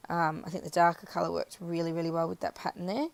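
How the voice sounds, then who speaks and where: Croaky woman rambling through a craft voiceover. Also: on the low side, flat delivery, quick pace, no room sound. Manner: chatty, rambling, self-correcting. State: croaky, scratchy voice. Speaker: craft video maker. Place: voiceover recorded apart from the footage.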